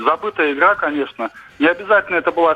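A man talking very fast with ordinary pitch variation over music in the background. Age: 40s. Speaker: caller. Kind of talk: casual chat. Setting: phone call.

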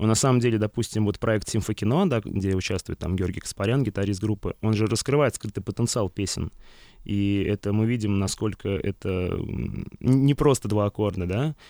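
A man's fairly low voice has a dark, mellow tone and ordinary pitch variation. The pace is moderate, with a dry, close sound and no echo. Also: very clean recording, silent background. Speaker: band archivist and tour guide. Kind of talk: interview.

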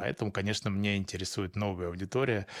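A man with a very deep, low pitch talks in fairly even intonation over a silent background in a very clean recording. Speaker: entrepreneur and coach. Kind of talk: interview.

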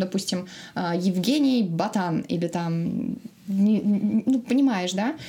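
Her dark, mellow tone marks this woman's voice, with ordinary pitch variation. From Belarus, Minsk. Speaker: podcast co-host. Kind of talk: casual chat. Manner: loud.

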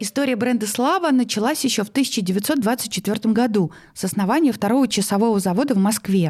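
At a moderate pace, a woman with an unremarkable speaking voice talks in a fairly high pitch with lively intonation. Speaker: podcast host. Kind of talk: interview.

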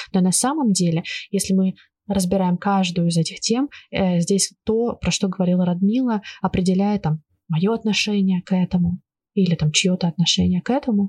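A woman speaks with a dark, mellow tone that is somewhat breathy, with ordinary pitch variation. Her loudness is very even, and the sound is dry and close with no echo. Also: medium pitch for a woman, moderate pace. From Kazakhstan. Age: 20s. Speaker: podcast co-host, project manager. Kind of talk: casual chat.

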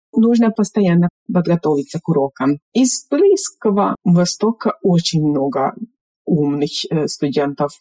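A woman with a somewhat breathy, dark, mellow tone at a fairly low pitch, very wide pitch swings, very even loudness and a fairly slow pace, in a dry, close sound with no echo. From Hungary. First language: Hungarian (speaking Russian). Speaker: university language teacher. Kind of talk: interview. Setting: video call.

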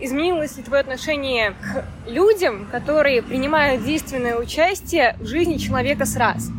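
A woman with a high pitch talks at a moderate pace with hardly any pauses, her loudness swinging widely over noticeable background noise. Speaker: podcast host. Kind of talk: interview. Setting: outdoors in a park.

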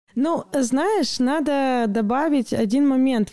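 Dark, mellow tone from a woman, with ordinary pitch variation. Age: 20s. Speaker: astrologer. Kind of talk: casual chat.

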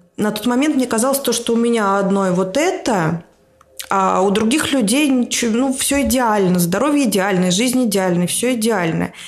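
Against noticeable background noise, a woman speaks at a fairly slow pace in a fairly high pitch. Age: 30s. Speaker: guest with borderline personality disorder. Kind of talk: personal testimony interview.

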